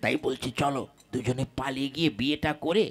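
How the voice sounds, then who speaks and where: A man's voice: mid-range voice, brisk, lightly acted. A man playing a sly, wheedling village trickster. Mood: urgent coaxing. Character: sly scheming young village rogue, boastful trickster. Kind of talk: Bengali comic puppet-play dialogue.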